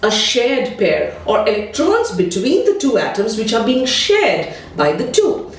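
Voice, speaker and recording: A woman's voice: a little high, huge pitch swings, unhurried. A woman chemistry teacher giving a patient, step-by-step explanatory lesson. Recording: echoey room, distant mic.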